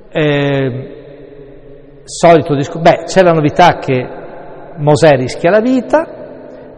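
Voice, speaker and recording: A man speaking as a priest, walking his listeners through scripture in a loose, chatty way and drifting into wry side remarks. His voice sits somewhat high for a man. The sound rings out with a long reverb, as in a big church hall. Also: a little mellow, husky. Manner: conversational and digressive, with wry asides. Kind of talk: Bible commentary to a congregation.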